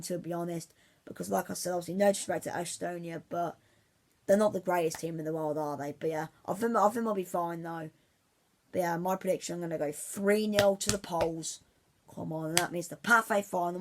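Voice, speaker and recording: A man giving casual football predictions on his vlog, rambling and repeating himself with many restarts. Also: high-pitched. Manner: rambling, says "obviously" constantly, many restarts; fan-like, insistent about his team. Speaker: football vlogger.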